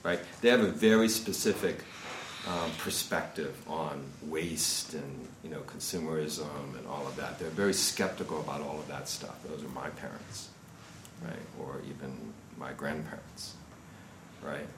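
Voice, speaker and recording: A man's voice: very deep voice, measured pace. A man in his fifties speaking at an informal seminar, rambling and peppering his talk with "you know" and "right". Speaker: guest speaker on investment. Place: seminar room. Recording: echoey room with faint noise.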